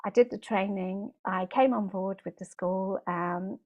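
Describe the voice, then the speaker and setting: Mid-pitched woman presenting informally. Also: a little slow, darkish tone, highs cut off. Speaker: host and therapy trainer. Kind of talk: informal presenting and teaching online.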